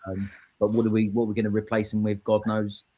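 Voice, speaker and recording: Male guest, slightly low voice, earnest and rambling. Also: completely flat delivery, fast, mellow, rough recording. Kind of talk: casual chat.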